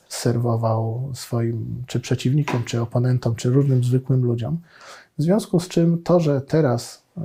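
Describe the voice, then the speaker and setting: A man's voice: mid-range voice, vocal fry, warm tone, slightly rough. A man giving an indignant, sarcastic political commentary monologue, with frequent hesitations.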